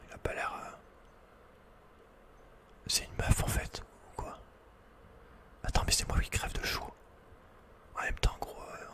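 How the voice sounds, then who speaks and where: A man whispering breathily as an ASMR host playing a video game, chatting informally with playful asides. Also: fairly bright tone.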